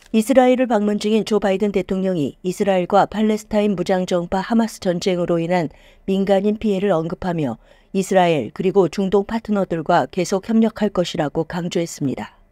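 With a dark, mellow tone at medium pitch, a woman speaks at a fairly quick pace with ordinary pitch variation in a dry, close sound with no echo. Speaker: news presenter and ad announcer. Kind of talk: news reading.

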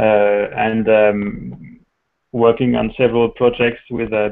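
This man speaks with a French accent. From France. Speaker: BI consultant. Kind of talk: video call panel discussion. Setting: video call. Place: home room.

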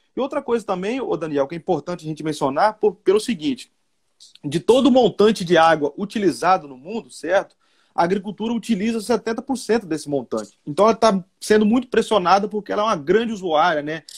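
The speaker talks at a fairly quick pace with lively intonation over a quiet background. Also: man, high pitch for a man. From Brazil, Espírito Santo (Rio Bananal); Espírito Santo, Brazil. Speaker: irrigation researcher and agronomist; guest. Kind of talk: live-stream interview, technical explanation. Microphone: video call.

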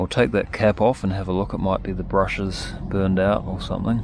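With light background noise behind him, a man with a very deep, low pitch talks fairly quickly in fairly even intonation. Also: dry sound with no echo. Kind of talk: casual repair narration. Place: street. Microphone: phone near.

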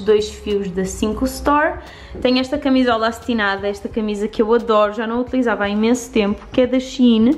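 Fairly quick speech from a woman, pitch varying in an ordinary way. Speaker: lifestyle vlogger. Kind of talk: casual vlog chat. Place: home room. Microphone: phone near.

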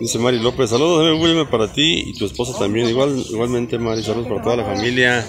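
Clear music plays in the background as a man talks very fast. He barely pauses, and his pitch varies in an ordinary way. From Mexico, Michoacán. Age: 60s. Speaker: local livestreamer. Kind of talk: live stream commentary. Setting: outdoors. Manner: halting. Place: street. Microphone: phone near.

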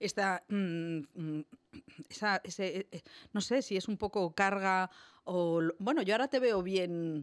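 A woman talks at a very slow pace in a medium pitch. Her pitch variation is ordinary, and the background is quiet. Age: 50s. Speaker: film and TV podcast host, journalist; TV podcast host, journalist. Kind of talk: interview chat. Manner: halting, many fillers. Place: studio. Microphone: studio mic.

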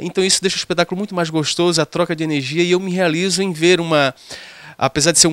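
Over a quiet background, a man's high-pitched voice comes through bright and sharp, with ordinary pitch variation and a dry sound with no echo. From Pernambuco, Brazil. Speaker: theatre director. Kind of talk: casual interview. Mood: warm, enthusiastic. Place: office. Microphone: handheld.

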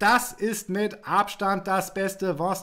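A man against a quiet background. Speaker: mobility podcaster. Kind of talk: casual podcast commentary. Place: home room. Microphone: headset.

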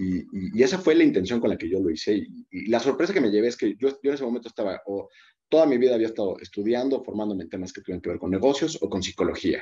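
Against a quiet background, a man with a Mexican accent talks at a very fast pace, medium in pitch, with a dark, mellow tone and lively intonation. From Mexico. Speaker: economist and coach; coach. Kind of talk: interview conversation. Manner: halting, many repetitions and fillers. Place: home room. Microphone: video call.

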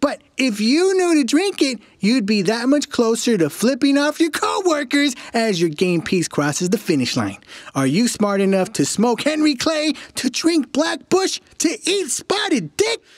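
A put-on character voice with a fairly high pitch moves at a moderate pace, sounding upbeat and swinging very widely in pitch. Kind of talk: crowdfunding pitch video. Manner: comedic, upbeat sales pitch.

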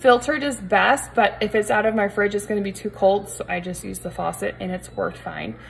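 Music plays in the background as the speaker talks at a fairly quick pace. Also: woman. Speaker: home baker vlogger. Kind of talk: tutorial. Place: kitchen. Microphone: phone near.

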